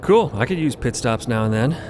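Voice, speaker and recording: A man's voice: medium pitch, animated, fairly quick, noisy background, close to an everyday voice. Man as an easygoing, casual crew explorer. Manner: casual, offhand. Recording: loud music bed underneath.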